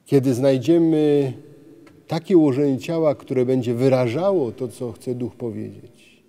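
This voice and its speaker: Slow, contemplative middle-aged priest. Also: male voice, medium pitch. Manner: slow, measured and contemplative, with rhetorical questions. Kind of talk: reflective spiritual talk. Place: dim church interior. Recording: music bed under the voice. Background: soft music.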